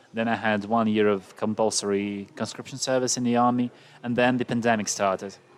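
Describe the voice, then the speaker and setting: A man speaks in a flat monotone at a medium pitch and a fairly quick pace. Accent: Ukrainian. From Ukraine. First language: Ukrainian. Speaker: podcast co-host. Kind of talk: casual chat. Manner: halting.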